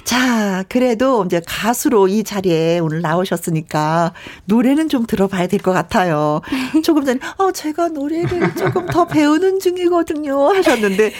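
Expressive woman radio host, high lively voice. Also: moderate pace, few pauses. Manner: expressive, frequent backchannels. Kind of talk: chatty live radio interview, reading listener messages.

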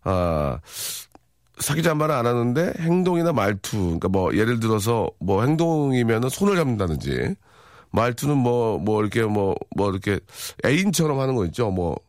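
A man's voice: mid-range voice, very animated, moderate pace, darkish tone, dry recording, clean studio sound. A man in his forties hosting a radio show, reading listener messages in a playful, jokey chat and acting out little voices.

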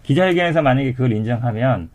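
A man speaking as a party spokesman, pushing back in a conversational way. He talks quickly and keeps going through his points. His pitch sits at an ordinary male level. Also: expressive, darkish tone, dry recording. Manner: defensive, conversational rebuttal. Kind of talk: political debate.

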